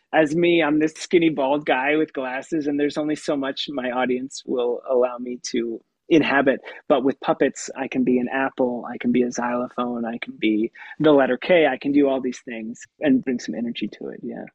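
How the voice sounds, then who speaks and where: A puppeteer and voice actor talking through his craft in an interview, with a light, youthful tenor voice and an animated manner that breaks into laughs. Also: mid-range voice, moderate pace, slightly rough, no echo, dull audio. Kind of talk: conversational interview answers.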